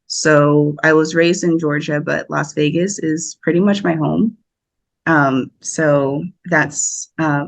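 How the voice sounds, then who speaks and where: A woman's voice: deep voice, creaky. Chatty young woman, laughing often. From United States. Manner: animated, laughs often, many fillers. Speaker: podcast guest, actor. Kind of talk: casual interview chat.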